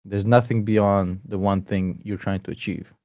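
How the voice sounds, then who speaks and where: A man's voice: on the low side, steady tone, normal speed, darkish tone, dry recording, clean studio sound. A man chatting casually as an investor, joking, teasing and swearing freely. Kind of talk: casual chat.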